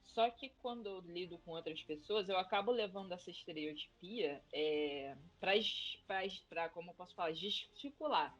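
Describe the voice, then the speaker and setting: A woman's voice: on the low side, moderate pace, few pauses. A Brazilian woman, a teacher, talking animatedly in a casual podcast discussion. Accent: Brazilian Portuguese. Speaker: podcast panelist. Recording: dull lo-fi audio.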